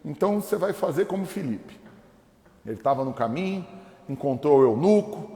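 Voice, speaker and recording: A man from Brazil, a pastor, preaching a lively, humorous sermon full of acted-out voices. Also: on the high side, moderate pace. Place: church hall. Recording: echoey hall reverb.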